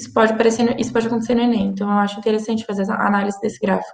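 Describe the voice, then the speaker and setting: A woman speaks at a very fast pace with a fairly high pitch. Her intonation is monotone and flat. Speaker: geography teacher. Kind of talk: online lecture.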